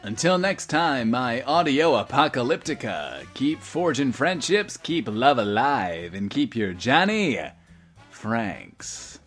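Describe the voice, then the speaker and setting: A man's voice: mid-range voice, big pitch swings, slow, fairly bright tone, soft background music. A man playing a vain, sardonic post-apocalyptic radio host, grandiose and self-pitying, in an audio drama. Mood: showy, cocky.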